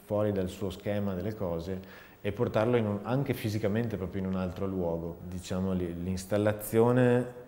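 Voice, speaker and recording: Male artist, 30s, low voice, thoughtful and halting interviewee, echoey studio. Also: dark tone, slight background noise. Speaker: multimedia theater artist. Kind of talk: reflective interview monologue. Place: large dark indoor studio, seated. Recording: echoey, reverberant empty studio.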